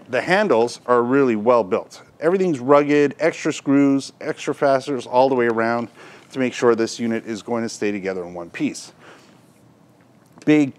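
A middle-aged man giving a casual, chatty product demonstration, explaining as he goes. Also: medium pitch. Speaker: shop presenter reviewing audio gear. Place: indoor electronics shop.

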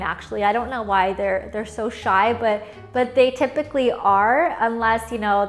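A woman's voice: fairly high pitch, fairly bright tone. A young woman vlogging from her living room, chatting casually with frequent laughs and fillers. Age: young adult. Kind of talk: casual talking-head vlog.

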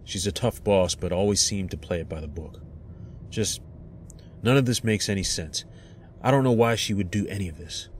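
A protective male agent acted by a man in an audio drama, earnest and reassuring. His voice is deep, with faint vehicle noise behind it. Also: normal speed, lightly acted. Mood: troubled.

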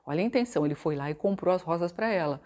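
A Brazilian woman giving a motivational relationship talk in a conversational way, often asking tag questions and reciting mantras slowly and softly. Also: lowish voice, lively intonation. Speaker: self-help and relationship coach.

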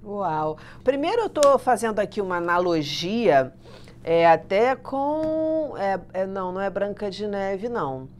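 A woman conducting a studio interview, answering her guest with warm, affirming remarks and asking him to say more. Faint room noise sits behind her voice. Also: mid-range voice, big pitch swings, a little slow. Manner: warm, affirming, asks follow-up questions.

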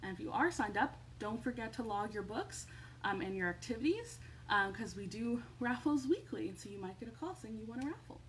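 A young adult woman presenting an upbeat children's storytime in an animated, encouraging way, recorded in a room at home. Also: on the high side, a little fast, a little hiss or hum, poor audio. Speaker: children's librarian hosting storytime. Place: indoors, living room at home.

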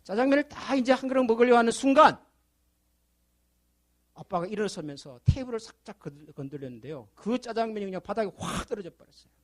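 In a church sanctuary, a male pastor with a high-sitting voice preaches animatedly and fast. He tells a story to the children, puts questions to the congregation, and then builds to fervent appeals.

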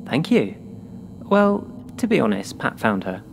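An earnest, gentle male scientist in an audio drama set at a polar lab. His delivery is natural and unforced. There is clear noise behind the voice. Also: medium pitch, big pitch swings, measured pace. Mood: quiet wonder.

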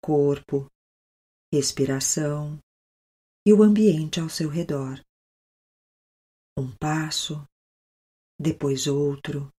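A Brazilian woman leading a guided meditation as an instructor, with the calm, soothing delivery of a yoga teacher and long pauses. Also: low voice, breathy edge.

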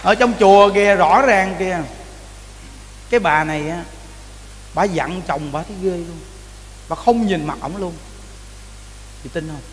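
In a temple hall, a man with a Southern Vietnamese accent preaches a Buddhist sermon in a high-pitched voice. His storytelling is animated, full of repeated words and frequent calls to the audience, and the reverberant room has faint noise.

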